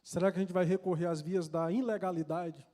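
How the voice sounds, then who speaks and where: Brisk and steady, a mellow high-voiced man with a Brazilian accent preaches a sermon, confessing a personal story in earnest. He often repeats and restarts his words, and the large church hall gives the recording a long reverb.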